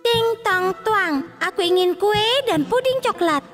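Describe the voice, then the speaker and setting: A woman's voice: very high-pitched, lively intonation, measured pace, fairly bright tone, faint music behind, full character voice. A woman voicing a greedy, impulsive little princess with a childlike, pleading manner in a children's fairy tale cartoon. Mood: eager.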